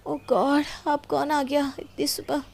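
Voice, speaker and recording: A woman's voice: sits high, flat delivery, takes it slowly, vocal fry, a little mellow, voice pushed up, heavily acted. A woman voicing a polite, anxious young bride who wants to study, in a story. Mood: frustrated.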